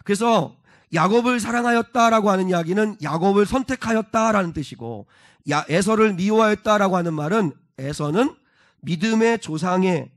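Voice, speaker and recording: A pastor preaches in a church, his voice sitting high for a man. He explains a passage step by step and keeps putting questions to the congregation. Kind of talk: sermon. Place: church sanctuary.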